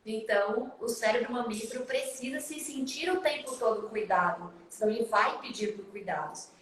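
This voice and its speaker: A woman in her thirties with a Brazilian accent, giving parenting advice live over a video call, fast and emphatic. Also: a little high, a bit bright, heavy reverb, recorded from a distance, slight background noise. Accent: Brazilian Portuguese. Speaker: parenting consultant.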